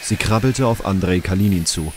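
A man's voice: low-pitched, moderate pace, slight background noise, close to an everyday voice. A man reading scripted narration as the storyteller of a radio drama.

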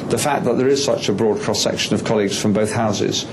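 A man who is a member of parliament giving a formal speech at a reception, measured and often pausing on "uh". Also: fairly low pitch, background noise. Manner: measured, with frequent "uh" pauses.

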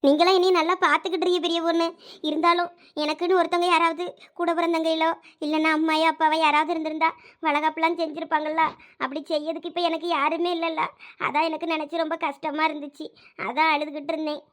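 A woman's voice: extremely high pitch, flat delivery, fast talker, a bit bright. A woman playing a timid young pregnant village woman, speaking plaintively in a Thoothukudi Tamil accent. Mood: sad. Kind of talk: village comedy skit acting.

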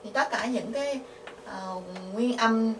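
Vietnamese-accented woman, patient grammar teacher, roomy distant sound with faint hiss. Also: a little high. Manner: patient, asks the class questions, repeats syllables slowly. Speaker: Korean language teacher. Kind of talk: explaining grammar. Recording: echoey, from a distance, faint noise.

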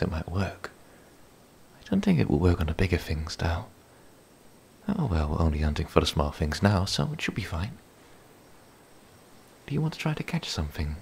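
A man voicing a gentle, playful male werewolf in an ASMR roleplay, speaking softly and intimately, often in a whisper. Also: low-pitched, a little hiss or hum, heavily acted. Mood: curious, playful. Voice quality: husky, breathy, gravelly. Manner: soft, intimate, halting.

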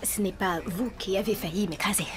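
A woman's voice: mid-range voice, brisk, a crowd in the background, close to an everyday voice. Fields: a woman voicing a guarded young film star, evasive and light. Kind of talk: French dub of a TV film.

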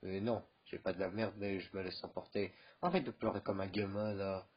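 A fed-up middle-aged father who scolds and shouts in a gruff, husky voice, as a man plays him in a homemade parody dub. The sound is muffled and lo-fi. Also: sits low, fairly even intonation, a little fast. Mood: scolding.

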